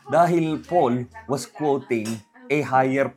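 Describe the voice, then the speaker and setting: A man's voice: medium pitch, slow pace. Man animatedly retelling a story. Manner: rambling, animated retelling with quoted voices and code-switching. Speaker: storyteller in casual conversation. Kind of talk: casual chat.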